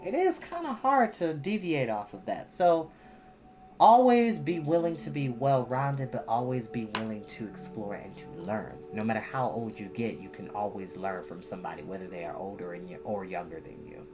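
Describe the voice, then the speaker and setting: A woman reading a children's story aloud, with casual, gently advising asides to young listeners. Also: extremely low pitch, highs cut off. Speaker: storytime reader.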